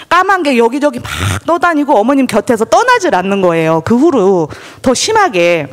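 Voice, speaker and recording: A woman telling her personal testimony at a church service, animated storytelling that acts out the voices she quotes. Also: a little high. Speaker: church member giving testimony. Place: church sanctuary. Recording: church hall reverb.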